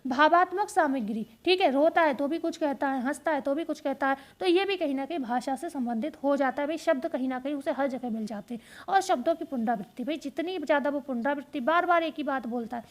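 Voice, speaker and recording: High-voiced woman teaching exam prep. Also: a little fast, few pauses. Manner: explains step by step, repeating key points as questions and answers.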